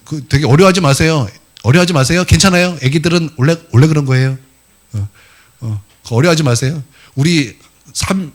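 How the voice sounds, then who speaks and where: A middle-aged male pastor preaching a sermon in a church, lively and asking the congregation questions as he goes. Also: fairly high pitch. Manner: lively, asks the congregation questions, acts out quotes. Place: church sanctuary.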